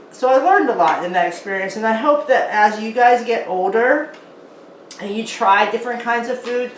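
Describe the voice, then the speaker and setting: A woman's voice: on the high side, slight background noise. A middle-aged woman, born in South Korea and raised in the United States, teaching a casual cooking lesson and often checking in with her viewers. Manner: chatty, keeps checking in with "okay?". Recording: roomy sound from a distant mic.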